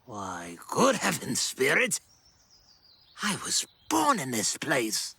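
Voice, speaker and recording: An actor playing Scrooge as a wistful, excitable old man in an audio drama, dramatic and given to both hushed murmurs and exclamations. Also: mid-range voice, slow, gravelly, husky, exaggerated voice. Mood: excited, joyful. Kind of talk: theatrical audio drama acting.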